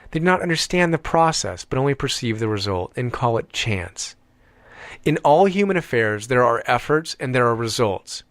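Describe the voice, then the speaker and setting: A man narrates a scripted audiobook with measured, deliberate phrasing and emphatic pauses. His voice is mid-range and the recording is dry.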